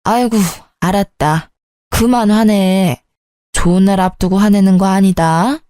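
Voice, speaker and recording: A middle-aged woman telling a first-person story as a mother, in a gentle, soothing, motherly tone. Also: mid-range voice, unhurried, dry recording, clean studio sound.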